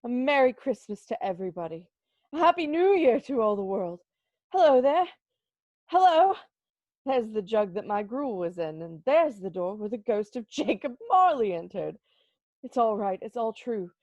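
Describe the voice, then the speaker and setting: A woman's voice: on the high side, big pitch swings, normal speed, darkish tone, no echo. A woman playing an old male miser, giddily reformed and penitent, in an amateur dramatic reading full of exclamations. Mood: giddy joy. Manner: exclamatory, effusive.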